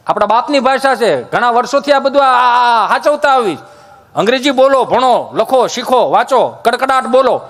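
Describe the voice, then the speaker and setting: A man tells stand-up jokes in a high, bright register. He spins his tales in a folksy, rustic manner, like a village raconteur. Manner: folksy storytelling with rustic dialect. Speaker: comedian. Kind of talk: stand-up joke telling.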